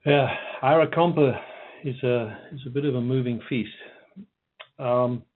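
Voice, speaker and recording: A man answering questions as a company executive on an earnings call, halting and repeating words as he goes. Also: medium pitch. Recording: tinny narrowband phone line.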